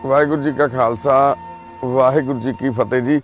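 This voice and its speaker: A man with a Punjabi accent, speaking outdoors at night by a railway crossing, gently coaxing and reassuring a frightened girl while he narrates his vlog. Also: medium pitch, fairly even intonation, normal speed, faint music behind. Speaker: volunteer vlogger helping a lost girl.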